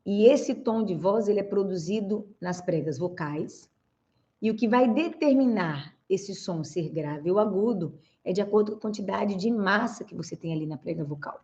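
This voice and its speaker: A Brazilian speech therapist and host explaining voice basics to viewers, step by step and in a teaching tone. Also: female voice, mid-range voice, animated, moderate pace, warm tone, muffled recording. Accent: Brazilian Portuguese. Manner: didactic, explains step by step with frequent "né?" and "tá, gente?". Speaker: speech therapist and communication coach. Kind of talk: answering viewer questions on camera.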